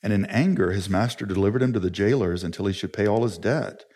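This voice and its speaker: A man's voice: fairly low pitch, quick pace, darkish tone. A man, a pastor, preaching an earnest and emphatic sermon with rhetorical questions.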